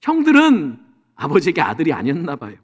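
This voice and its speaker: Animated preaching man in a reverberant church. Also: a little high, a little fast, lo-fi sound. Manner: animated, asks the congregation rhetorical questions. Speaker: senior pastor. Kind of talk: Sunday sermon. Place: church sanctuary. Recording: long hall reverb.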